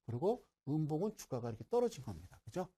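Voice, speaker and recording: A man's voice: on the high side, sing-song, quick pace, mellow, husky. A middle-aged man giving a broadcast stock-investing lecture, who keeps asking listeners "right?" and teases them.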